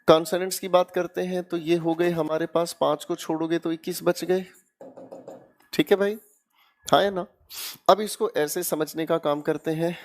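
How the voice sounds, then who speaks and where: A man with an Indian accent teaching English grammar in an online exam-prep lecture, coaxing students and checking again and again that they follow. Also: on the high side. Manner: coaxing, keeps checking students with "haan ya na?" and "theek hai beta?".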